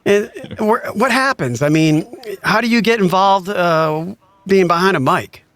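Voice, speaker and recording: A man's voice: high-pitched, measured pace, a bit bright. A man co-hosting a podcast in casual conversation. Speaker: podcast co-host. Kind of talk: casual chat.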